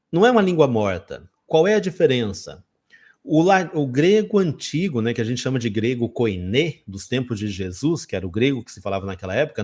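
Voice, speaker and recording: A man's voice: mid-range voice, darkish tone. Chatty Brazilian man teaching English. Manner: chatty, talks straight to viewers, acts out his own learner self. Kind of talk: casual spoken lesson.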